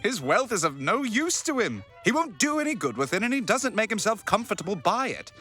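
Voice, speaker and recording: An actor playing a jovial, hearty, good-natured young nephew in a Victorian audio drama. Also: male voice, high voice, brisk, soft background music, heavily acted. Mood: good-humoured, pitying. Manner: merry, hearty, animated.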